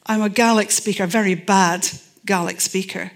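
A woman's voice: medium pitch, fairly even intonation, normal speed. A middle-aged Scottish woman, a forensic anthropologist, giving a public talk and telling stories with dry humor and emphasis. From Scotland.

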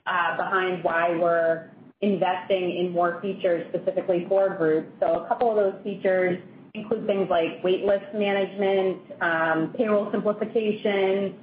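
A woman speaking as a company finance executive answering on an earnings call, in a measured, careful corporate manner. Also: lowish voice, fairly even intonation. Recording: echoey, tinny conference phone line with noise.

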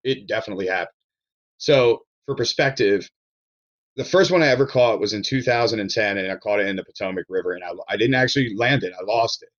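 A man's voice: on the low side, fast talker, highs cut off. A man from Maryland talking casually on a podcast as a chef guest, rambling with restarts and blunt swearing.

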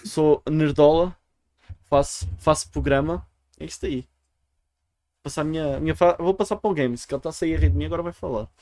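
A man's voice: fairly high pitch, brisk, mellow, no echo. A man from Portugal with a European Portuguese accent, hosting a casual podcast chat, joking and slangy. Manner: joking, slangy, says "mano" a lot. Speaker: podcast host.

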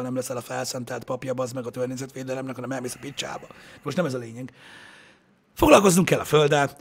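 A man's voice: medium pitch, gravelly. A man in a casual chat, talking bluntly and profanely in heated rants.

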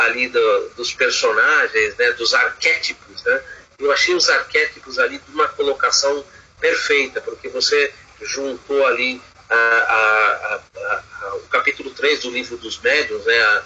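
Earnest hesitant man, husky and bright. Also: mid-range voice, highs cut off. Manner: earnest, hesitant, many fillers and restarts. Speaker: guest speaker. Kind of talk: informal talk in an online study group.

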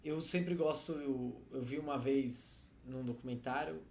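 A man's voice: medium pitch, unhurried, creaky, a little mellow. Man, podcast co-host, casual thoughtful chat, trails off, roomy sound, faint hiss. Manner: easygoing, thoughtful, trails off mid-sentence.

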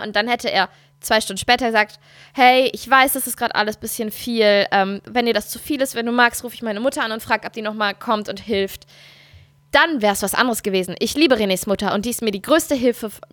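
A woman's voice: on the high side, a bit bright, no room sound. A woman in her thirties chatting casually as a podcast co-host, telling stories candidly and animatedly. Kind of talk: casual chat.

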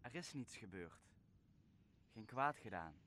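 A man playing a vengeful exiled magician and father in a radio play, brooding and theatrical, with deliberate drawn-out phrasing. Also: on the low side, lively intonation, a bit bright, a little hiss or hum. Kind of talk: Dutch radio play acting.

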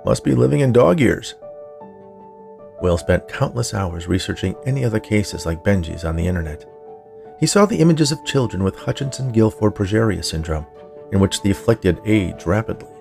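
Low-pitched man narrating fiction over music. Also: lively intonation, fairly quick, gravelly, darkish tone. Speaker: writer, narrator and producer of a fiction podcast. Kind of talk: scripted audiobook-style story narration.

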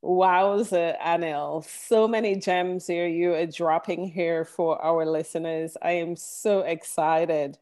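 A woman's voice: lowish voice, steady tone, slow pace, hardly any pauses, a little mellow. A woman hosting an interview podcast, effusive and encouraging toward her guest. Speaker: podcast host. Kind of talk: casual interview talk.

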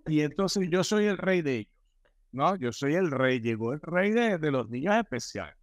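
A man's voice: a little high, expressive, moderate pace, no room sound, studio quality. A man as a podcast guest, telling stories emphatically and repeating himself. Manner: emphatic, repetitive storytelling. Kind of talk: casual spiritual conversation.

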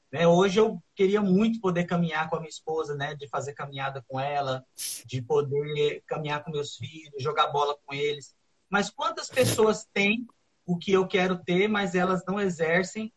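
A man in his thirties, an interview guest telling a personal story in a halting way with many fillers and restarts. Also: high-pitched, a bit bright, rough recording. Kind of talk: conversational storytelling.

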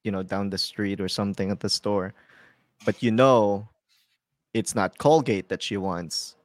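Low-voiced laughing man. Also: a little slow, no room sound. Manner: laughs often, storytelling. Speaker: podcast co-host. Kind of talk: casual chat.

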